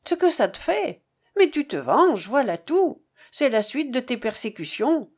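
A woman's voice: high voice, big pitch swings, measured pace, a little mellow, full character voice. A woman voicing an angry young man who bitterly accuses his mistress in a storybook reading. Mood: indignant, accusing. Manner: indignant, cold and cutting.

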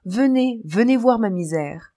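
A woman's voice: fairly high pitch, lively intonation, unhurried, mellow. A woman voicing a pleading old beggar woman.

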